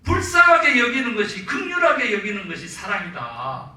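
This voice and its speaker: A man, a Korean pastor, preaching a sermon with animated delivery, acting out quotes and calling for amens. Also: high-pitched, moderate pace, slight background noise. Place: church sanctuary. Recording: very echoey church, mic at a distance.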